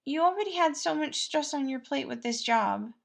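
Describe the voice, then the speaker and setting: A woman voicing a timid, sweet young man who speaks in a halting, pleading way, in a storybook reading. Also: sits high, expressive, creaky, voice pushed up. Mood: soft, hesitant.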